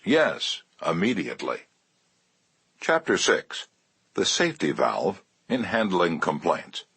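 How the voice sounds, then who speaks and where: Male audiobook reader, low husky voice, animated delivery, dry booth sound. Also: dry recording. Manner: measured, lively delivery with slow emphatic phrases. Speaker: audiobook narrator. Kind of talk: scripted audiobook narration.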